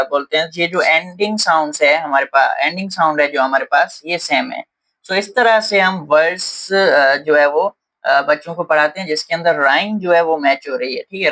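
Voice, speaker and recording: A man with an Indian accent teaches a lesson, walking through each idea step by step. His voice is bright and forward and sits a little high, and he often pauses on fillers as he goes. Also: poor audio. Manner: explains step by step, with many fillers and Hindi mixed with English terms. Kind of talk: explaining lesson to camera.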